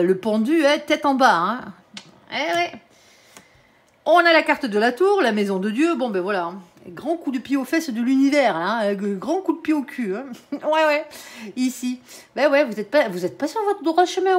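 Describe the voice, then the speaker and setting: A high-pitched woman with a regional French accent gives a casual tarot reading. She's chatty and blunt, tacking "hein" onto nearly every phrase.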